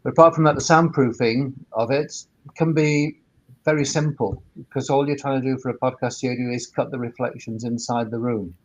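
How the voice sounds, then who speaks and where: Man, medium pitch, informal webinar advice, halting delivery, repeated words. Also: steady tone, poor audio. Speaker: sound engineer and workspace operator on a panel.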